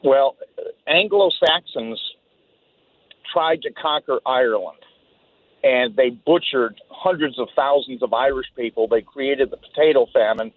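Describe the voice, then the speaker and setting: A man's voice: medium pitch, unhurried, no room sound. A man calling in to a radio show from Fort Worth, heated and insistent as he argues his point. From Fort Worth, Texas. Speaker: caller. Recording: phone line.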